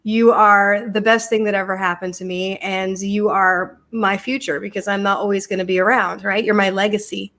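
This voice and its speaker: A woman's voice: medium pitch, level tone, normal speed, few pauses. Chatty American mother hosting a podcast. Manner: warm, motherly, repeats words when starting a thought. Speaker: podcast host. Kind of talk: casual live-stream chat.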